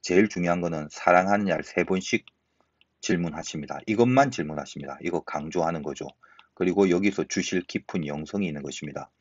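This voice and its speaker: A man's voice: low voice, quick pace, breathy edge, dry recording, muffled recording. A pastor in his fifties preaching an earnest sermon, asking the listeners rhetorical questions.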